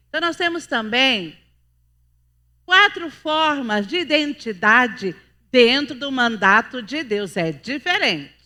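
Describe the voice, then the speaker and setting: In a Cuiabá accent, a woman with a high pitch and a bright, sharp tone speaks very slowly in a raised, projected voice with lively intonation, on a very clean recording with a silent background. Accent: Cuiabano accent, recognizable. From Brazil, Cuiabá region (Mato Grosso). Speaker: seminar speaker at church. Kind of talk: church teaching seminar. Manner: hesitant, many fillers.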